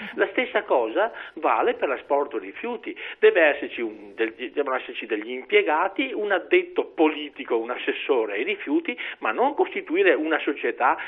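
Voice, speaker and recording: There is a quiet background. Against it, a man talks at a moderate pace. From Padua province, Italy; Italy. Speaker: caller. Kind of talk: phone-in call. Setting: phone call. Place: studio.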